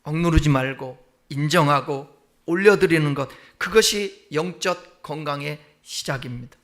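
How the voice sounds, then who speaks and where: A male pastor delivering a Sunday sermon in a church, with a high, bright voice. He preaches emphatically, voicing quoted prayers with rising intensity before returning to calm explanation. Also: normal speed. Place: church sanctuary.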